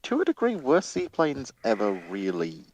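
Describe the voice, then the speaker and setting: A man's voice: mid-range voice, huge pitch swings, normal speed. A man in casual discussion on a livestream, musing and questioning as he talks. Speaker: panelist on a naval history stream.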